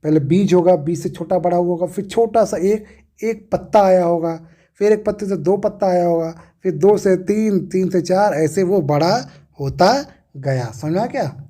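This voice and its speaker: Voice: medium pitch, normal speed, mellow. A teacher explaining a lesson, asking questions and answering them while repeating key words. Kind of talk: explaining an English reader lesson.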